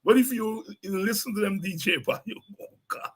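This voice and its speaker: A Guyanese man hosting a political talk show, speaking in a relaxed, animated way with laughing asides and frequent restarts. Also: high voice, fairly quick. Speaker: host. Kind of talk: casual political commentary.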